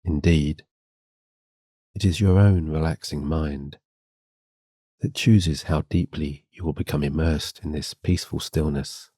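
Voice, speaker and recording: A man with an exceptionally deep, mellow voice leads a guided sleep meditation. His delivery is gentle and soothing, reading a hypnosis script with a calming, guiding manner. The sound is close and dry. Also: unhurried, long pauses, breathy edge, no echo.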